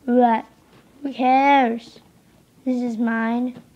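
A young woman casually commenting on a game she is playing, a little hoarse from being sick, rambling and easily distracted. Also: on the high side, little pitch movement, extremely slow. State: losing voice, sick. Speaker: gameplay commentator. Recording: slightly dull lo-fi home recording.

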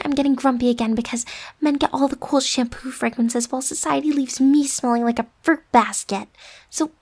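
A woman playing a bossy, defensive but secretly affectionate young roommate in an ASMR roleplay, huffy with breathy whispered asides. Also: sits high. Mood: flustered, indignant.

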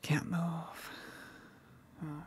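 A woman voicing a friendly eldritch monster in an ASMR roleplay, in a breathy whisper with a halting, coy, gently teasing manner. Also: low voice, little pitch movement, a little hiss or hum. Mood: teasing, dominant.

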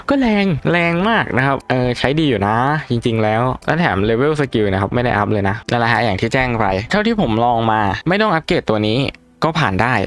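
A man hosting a gaming video, giving chatty, polite commentary on his gameplay with frequent laughs and self-corrections. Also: medium pitch.

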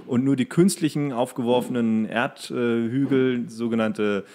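A man's voice: medium pitch, steady tone, unhurried, warm tone. A man who co-hosts a podcast, chatting in a rambling, colloquial, joking way. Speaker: podcast co-host. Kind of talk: casual comedic chat.

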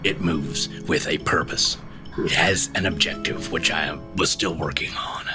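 A man playing an earnest investigator in a fantasy role-play game, explaining in a deliberate, halting way. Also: a bass voice, steady tone, music in the background. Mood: earnest, portentous. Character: earnest deep-voiced male investigator in fantasy party. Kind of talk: in-character tabletop role-play.

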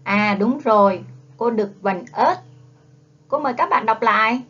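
Dull lo-fi classroom video audio captures a primary school teacher with a Southern Vietnamese accent teaching young children to read. Her slightly high voice is a bit bright with a breathy edge, and she keeps a measured pace while coaxing the children to repeat after her in phonics practice.

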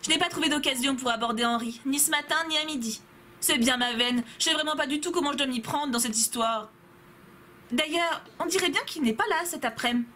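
This let's player is a young woman with a high, bright, forceful voice and a brisk delivery, recorded over slight background noise. She reads all the characters of a story game in her own voice, keeping it playful with asides to viewers between scenes.

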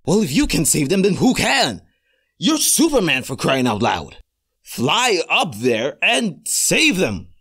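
Agitated, desperate character acted by a man, swooping pitch. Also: huge pitch swings, slow pace, fairly bright tone, husky, exaggerated voice. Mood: desperate pleading. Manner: agitated, emphatic. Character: desperate, overwrought character pleading and accusing. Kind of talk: dramatic character acting.

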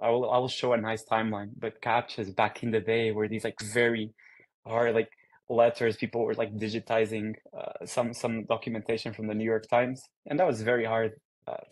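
A man's voice: on the low side, level tone, moderate pace. A young man from Portugal giving an online research talk over a video call, in a casual, upbeat way with frequent fillers. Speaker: guest speaker.

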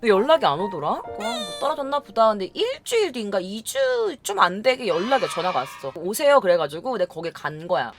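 A woman's voice: mid-range voice, a little fast, hardly any pauses, soft background music. A woman casually telling a personal story, acting out the other people's lines as she goes. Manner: animated, acts out quoted dialogue. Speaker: storytelling YouTuber.

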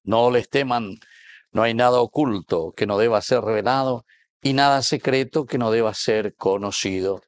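A man's voice: mid-range voice, normal speed, no echo. A man in his fifties with a Paraguayan accent, preaching as a Catholic priest. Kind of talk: sermon with scripture reading. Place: small indoor wood-panelled chapel. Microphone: lapel mic.

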